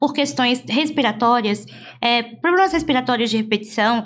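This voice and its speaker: A high-pitched woman's voice at a moderate pace. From Brazil, Vitória, Espírito Santo. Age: 20s. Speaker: lawyer and public speaker. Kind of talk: interview conversation.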